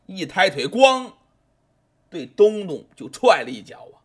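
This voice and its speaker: Lively high-voiced male storyteller. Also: unhurried, slightly rough. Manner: vivid, animated, with sound words. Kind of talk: dramatic oral storytelling.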